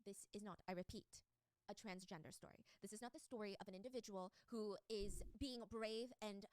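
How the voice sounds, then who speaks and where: A young woman retelling a true scandal story to a co-host, animated and sarcastic, swearing freely. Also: mid-range voice, a little fast, a little hiss or hum. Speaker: storyteller YouTuber.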